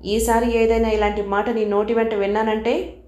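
A woman's voice: fairly high pitch, flat delivery, normal speed, darkish tone, natural voice. A woman reading a novel aloud, voicing a stern, composed young man who speaks firmly. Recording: roomy echo.

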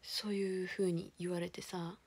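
A young woman, chatting casually as a streamer, ranting with animated indignation and dropping into whispered asides. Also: fairly low pitch, a little slow, breathy edge. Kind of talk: casual chat.

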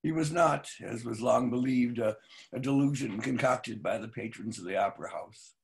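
An older man playing a grave, wistful storyteller, measured and slightly halting, in a staged reading over a video call. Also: mid-range voice, creaky, close to an everyday voice. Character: grave, wistful male storyteller recounting mystery. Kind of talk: dramatic narration in staged reading. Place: book-lined home room, video call.

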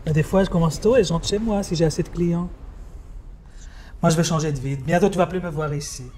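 A proud, defiant trans woman working the streets, acted by a man in a low-budget film scene. She talks bluntly and a bit tough, in a mellow, dark voice. Faint street noise sits under the voice. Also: fairly quick, close to an everyday voice.

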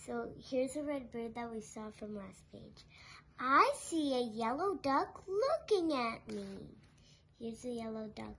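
A little girl reads a picture book aloud with big swoops in her voice. She takes her time, stressing repeated phrases in a singsong and dropping softer for asides. It is a home phone recording with faint background noise. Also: on the high side, lively intonation, measured pace. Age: child. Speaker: young reader presenting a picture book. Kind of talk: read-aloud to young children with simple asides. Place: living room sofa at home. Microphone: phone held nearby.

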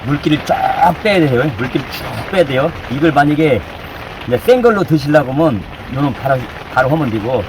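A man's voice: a little high, expressive, a little fast. A male cooking channel host giving a hands-on demonstration, repeating each step aloud as he works. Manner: repetitive running commentary while working, chanting instructions. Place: indoors with downpour outside. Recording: heavy rain noise behind the voice.

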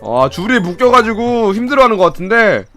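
High, animated man streaming a game. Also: a little fast, faint music behind. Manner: excitable, shouting and laughing, playful swearing. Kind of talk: casual gameplay commentary.

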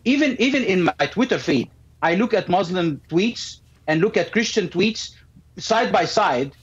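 A man's voice: fairly high pitch, slightly rough. A middle-aged man with an Arabic accent, a guest speaking earnestly over a video call from a home room, often repeating words as he starts phrases. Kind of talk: earnest commentary. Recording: muffled video call audio.

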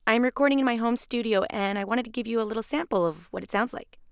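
A woman's voice: fairly high pitch, quick pace, smooth, no echo. A woman voice actor narrating sample readings recorded in a home studio.

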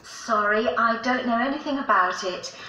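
A woman's voice: fairly high pitch, normal speed, pushed and bright. A woman acting a polite, helpful office receptionist in a scripted language-course phone dialogue. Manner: polite, businesslike. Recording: roomy, distant course audio playback.

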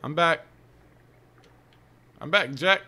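A man's voice: fairly high pitch, slow pace, sharp tone. A man giving casual let's-play commentary, reading game text aloud and muttering exasperated asides to himself. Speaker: video game streamer. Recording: game music under the voice. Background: video game music.

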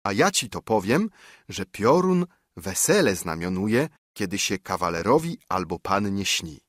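A man's voice: lowish voice, big pitch swings, measured pace, dry recording, clean studio sound. A man voicing an old widowed mother who soothes her frightened son in a coaxing, sing-song way. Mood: soothing.

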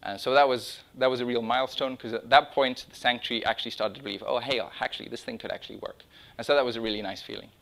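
Talking quickly with a medium pitch, fairly even intonation, vocal fry and a slightly bright tone, a middle-aged man presents his own project. It's an informal, conference-style talk with slides in an indoor meeting room or small lecture room. He speaks conversationally and keeps interrupting himself.

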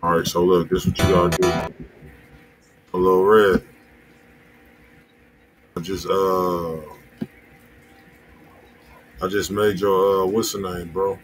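A man's voice: sits low, flat delivery, slow pace, long pauses, poor audio. A man with an American accent co-hosting a music review stream in casual, slangy talk. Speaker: co-host of music review show. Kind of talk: casual livestream chat, slangy. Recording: loud background noise.

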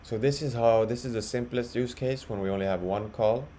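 A man presenting a casual software walkthrough, explaining step by step in a halting way. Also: mid-range voice. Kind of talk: casual screen-share walkthrough. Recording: clearly audible background noise.

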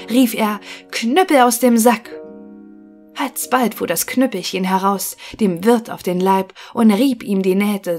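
Calm woman reading a fairy tale. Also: medium pitch. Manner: calm, measured storytelling. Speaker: narrator.

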